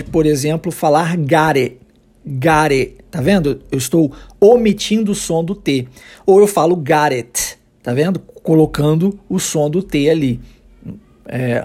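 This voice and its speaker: Husky male English teacher, Portuguese first language, patient, models phrases slowly for students to repeat. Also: a little high, a little mellow. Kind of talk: podcast English lesson for Portuguese speakers.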